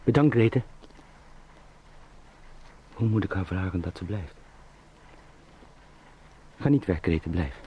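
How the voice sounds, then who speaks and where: An actor playing a lonely, brooding salesman turned beetle, musing in short halting sentences in a radio play. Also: on the low side, muffled recording, a little hiss or hum. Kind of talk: introspective radio play monologue.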